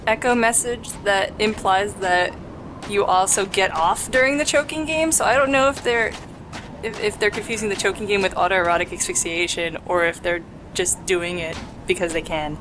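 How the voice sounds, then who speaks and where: A woman's voice: medium pitch, noisy background. A woman hosting a let's play with casual, jokey, sweary game commentary.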